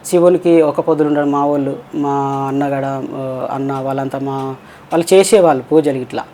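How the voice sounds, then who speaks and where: In this casual storytelling clip, the same kind of guest, a transgender interviewee with a Telangana Telugu accent, rambles through personal stories and performs the quoted voices. The pitch is medium and the intonation fairly even, at a normal pace with a mellow quality. Slight background noise can be heard.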